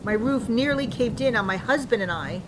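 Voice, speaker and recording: An actress plays an older small-town woman, snobbish and easily affronted, speaking in a huffy, self-pitying way. It is audio drama, with clear storm ambience and noise around the voice. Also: a little high, expressive, normal speed, close to an everyday voice. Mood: indignant, dramatic.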